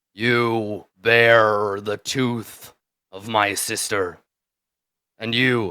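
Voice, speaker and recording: A man's put-on character voice, rumbling and medium-pitched, with monotone, flat intonation, a very slow pace and long, frequent pauses, on a very clean recording with a silent background. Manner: commanding, menacing.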